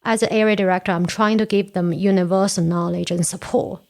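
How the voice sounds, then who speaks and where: Gravelly-voiced woman in her forties. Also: medium pitch, fairly even intonation, a little fast, a little mellow. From China. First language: Korean. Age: 40s. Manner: earnest, explains step by step. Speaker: podcast guest, Toastmasters area director. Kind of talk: casual interview chat.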